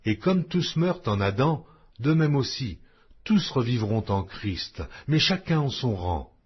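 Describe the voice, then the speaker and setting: Husky guy reading scripture, slow and measured, muffled lo-fi sound. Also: medium pitch, very animated. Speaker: Bible reader. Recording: dull lo-fi audio.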